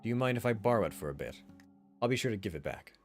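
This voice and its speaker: A man playing a composed, serious detective in a visual novel, speaking in a measured, deliberate way. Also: on the low side, animated, lightly acted. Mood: businesslike. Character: composed, serious male detective, reassuring but guarded. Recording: music behind the voice.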